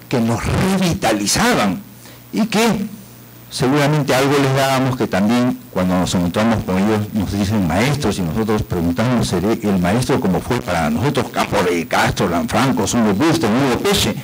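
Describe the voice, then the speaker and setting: Noticeable background noise sits behind a man speaking at a moderate pace in a medium pitch with lively intonation. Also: very even loudness. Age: 70s. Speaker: physician and professor. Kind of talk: panel discussion.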